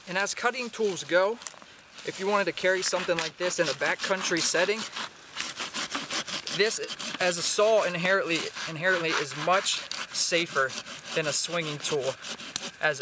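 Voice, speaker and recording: A man's voice: fairly high pitch, normal speed, pauses often. Rambling man sawing wood outdoors. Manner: relaxed, rambling, repeats words while working. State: slightly out of breath from sawing. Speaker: outdoor gear reviewer. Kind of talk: casual tool demonstration. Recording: noisy, with sawing sounds behind.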